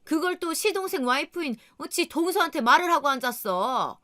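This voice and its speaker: A woman's voice: sits high, animated, moderate pace, sharp tone, voice pushed up. A woman voicing an older mother in a radio drama, blunt and scornful as she complains. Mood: indignant.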